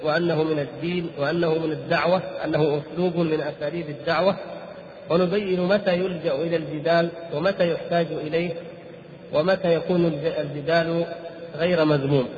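A man with a fairly high, very even voice gives a formal Islamic lecture. He speaks deliberately in short phrases with pauses between them. The recording is muffled, with long hall reverb. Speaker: religious lecturer. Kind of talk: Islamic lecture reading and explaining a classical text. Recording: echoey reverberant hall, muffled, faint noise.

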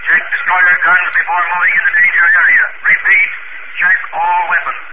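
A man voices a brisk police dispatcher, clipped and official, with a flat delivery. The voice is high for a man and comes through a tinny broadcast thick with hiss. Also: natural voice. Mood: urgent. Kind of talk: 1950s radio drama acting. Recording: tinny, very hissy old radio recording.

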